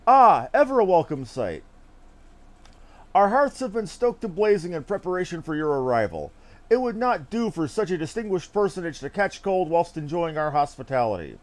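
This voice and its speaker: A man's voice: high voice, very animated, moderate pace. A man voicing a gracious, hearty knight lord from a fantasy game, with courtly, effusive and formal speech. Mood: welcoming. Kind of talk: theatrical read-aloud of fantasy game dialogue.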